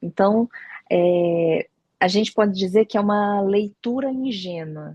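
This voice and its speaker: A woman at a fairly slow pace, an ordinary speaking voice. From Brazil, Ceará countryside. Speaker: geography professor, author. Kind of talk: interview conversation. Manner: articulate, academic.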